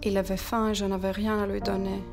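A woman playing an anxious, protective young mother in an animated wartime film, speaking softly and earnestly. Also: mid-range voice, brisk, gravelly, lightly acted. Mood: anxious, sad. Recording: dramatic music under the voice.

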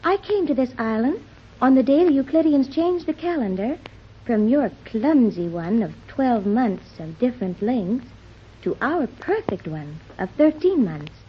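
A woman's voice: a little high, sing-song, unhurried, husky, lo-fi sound, exaggerated voice. An actress playing a precise, formal fifteen-year-old girl in a 1930s radio drama, speaking in a detached, proper manner.

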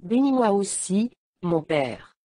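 A wronged elder son, a hunter robbed of his blessing, spoken slowly in a warm tone, as a woman reads him. The recording is dry and close. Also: mid-range voice, very animated, dry recording. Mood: bitter.

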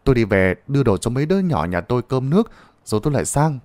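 A man's voice: medium pitch, big pitch swings, darkish tone, natural voice. A man voicing a neighbor woman who chides and fusses over her friend. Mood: chiding. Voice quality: brisk, chiding. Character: fussing neighbor woman, caring and practical.

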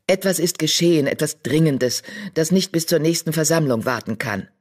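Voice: mid-range voice, normal speed, a little mellow, close to an everyday voice. A narrator voicing Feuerstern, a male cat clan leader in an audiobook, commanding but friendly. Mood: firm.

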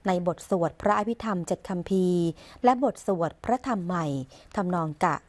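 A female news reader with a lowish voice delivers royal court news as a formal broadcast voice-over. Her measured, even and ceremonious delivery keeps the steady, scripted cadence of an official bulletin throughout.

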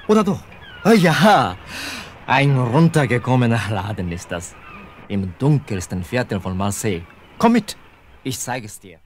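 An actor playing a loyal, shrewd sailor who talks in a gruff, plain-spoken, wry way in a radio play. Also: male voice, mid-range voice, expressive, measured pace, a little hiss or hum, lightly acted.

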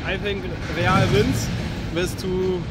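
A man's voice: high-pitched, level tone, very slow. A man whose first language is German, a football fan giving short, laid-back answers in English on a street. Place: outdoors on a city street. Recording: loud street traffic, off-mic.

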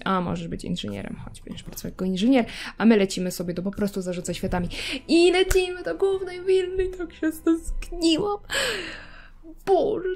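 A woman's voice: mid-range voice, darkish tone. A young woman giving casual gameplay commentary, chatting to her game characters with self-mocking asides. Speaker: gameplay video creator.

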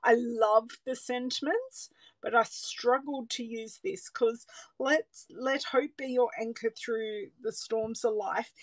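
A woman's voice: on the high side, poor audio. An Australian woman demonstrating card making, chatting casually and thinking aloud as she works, sometimes dropping to a murmur. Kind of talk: casual crafting livestream chat. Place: craft table indoors, overhead camera on hands.

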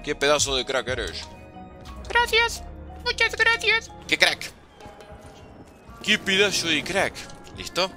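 A man streams a game and jokes with his chat in a high, bouncy voice that leaps up and down as he talks. His tone is playful and teasing, and music plays clearly behind him. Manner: joking, teasing chat with slang. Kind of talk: casual live-stream chat while gaming.

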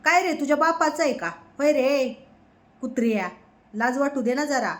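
A woman's voice: high voice, moderate pace. A woman delivering a heated, mocking political rant, scolding her target. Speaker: political commentator.

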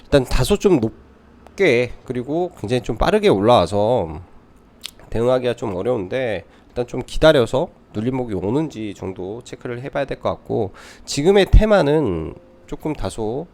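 A man's voice: medium pitch, very animated, moderate pace, a little mellow. A man giving live stock market commentary as a trading adviser, explaining things by posing questions and answering them.

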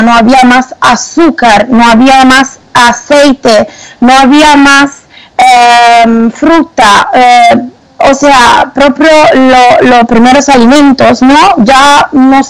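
Woman, Italian accent, Italian native, slow, smooth clear voice, hesitant, frequent fillers. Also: high voice, poor audio. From Italy. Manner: hesitant, many fillers and restarts. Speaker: guest. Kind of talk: phone-in interview testimony.

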